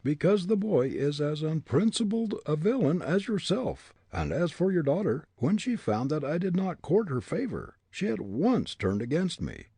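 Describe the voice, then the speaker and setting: A man's voice: on the high side, big pitch swings, moderate pace, creaky, few pauses, dark tone, husky, no room sound, voice pushed up, heavily acted. A man voicing a defiant, scornful young male prisoner, speaking proudly.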